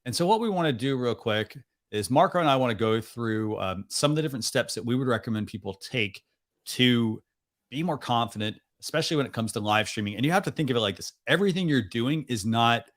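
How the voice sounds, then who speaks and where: A man's voice: medium pitch, expressive, brisk, fairly bright tone. A young adult man hosting a live stream over a video call, chatting loosely with lots of "like" and "you know". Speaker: host. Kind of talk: casual live stream chat.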